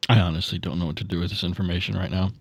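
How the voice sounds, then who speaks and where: A man's voice: low-pitched, fairly even intonation, rapid-fire, vocal fry, husky, no room sound. A man chatting casually as a player in a tabletop game podcast. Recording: music behind.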